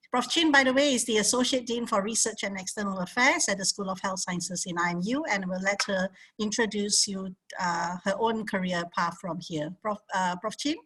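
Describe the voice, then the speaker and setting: A woman's voice: medium pitch, a bit bright, low-quality recording. A woman moderating an online talk over a video call, welcoming the audience with many fillers.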